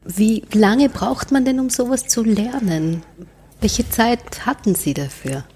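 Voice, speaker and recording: A woman's voice: on the high side, takes it slowly, mellow, slight background noise. A woman interviewing a guest, asking probing follow-up questions. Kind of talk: radio-style interview.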